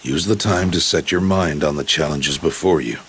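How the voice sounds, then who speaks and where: Very deep, solemn male tribal hunter mentor. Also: fairly bright tone, a little hiss or hum. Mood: solemn, instructive. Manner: solemn, measured, formal, commanding. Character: stern older male tribal outcast hunter and mentor father. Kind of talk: dramatic video game cutscene acting.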